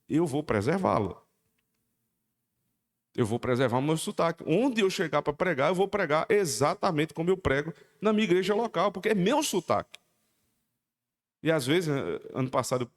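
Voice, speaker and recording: A man preaching a sermon, animated, jumping between loud emphatic peaks and low quiet asides at a shifting pace. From Northeast Brazil. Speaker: pastor. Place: church sanctuary. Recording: long hall reverb.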